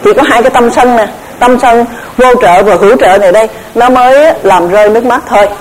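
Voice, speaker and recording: Measured woman teacher. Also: a little high, low-quality recording. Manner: measured, explanatory, often repeats words while searching. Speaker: Buddhist Abhidhamma teacher. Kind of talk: recorded dharma lecture.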